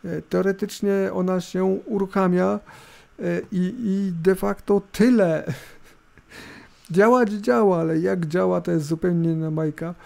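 Mellow, higher-pitched man over fan hiss. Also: little pitch movement, unhurried, gravelly. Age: middle-aged. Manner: informal, rambling, hesitant, with tag questions. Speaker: host of a tech review video. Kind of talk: casual, unscripted screencast commentary. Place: indoors at a computer. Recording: hissing laptop fan noise. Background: laptop fan hum.

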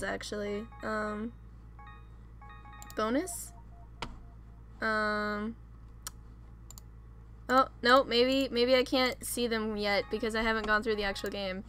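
Young woman playing a visual novel, talks kinda high, giggly and rambly, soft music underneath. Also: slow, long pauses. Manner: chatty, giggly, self-deprecating. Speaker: let's play host. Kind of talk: casual rambling game commentary. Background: soft background music.

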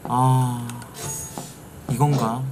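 A middle-aged man streaming a game live, reacting loudly and swearing at it. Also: medium pitch, extremely slow, over music. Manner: excitable, bursts into shouts and swears at the game. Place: streaming room indoors.

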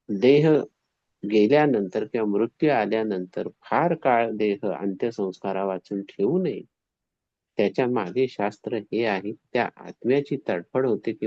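A man telling a devotional story in an animated way, acting out the quoted voices. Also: mid-range voice, dry recording. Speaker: spiritual storyteller. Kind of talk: devotional discourse. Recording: dull, dry, slightly lo-fi recording.

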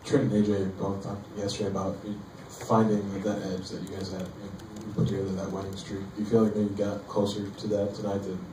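A man's voice: fairly low pitch, completely flat delivery, fairly quick, hardly any pauses. A man, a reporter, asking a question at a press conference. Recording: distant, echoey room, clear noise.

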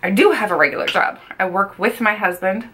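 A woman in her thirties, a beauty vlogger, chats casually through a get-ready-with-me at her small bedroom makeup desk indoors. She's brisk, medium-pitched and fairly bright, leaning on repeated words for emphasis and noting she feels she's losing her voice. There's a little hiss or hum in the recording.

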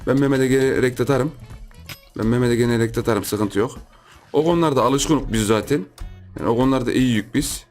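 A man hosting a gaming channel, giving lively gameplay commentary, repeating himself and yelping in surprise while chatting to his viewers. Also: mid-range voice, normal speed, faint music behind. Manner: excitable, repeats phrases, shouts in surprise; chatty, addresses viewers as friends.

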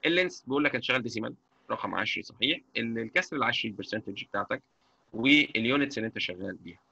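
Fast, gravelly Egyptian instructor. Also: male voice, medium pitch, animated, pushed and bright, no echo. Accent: Egyptian Arabic. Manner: chatty, checks understanding constantly. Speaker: software instructor. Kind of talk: live online lecture. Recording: dull lo-fi mic.

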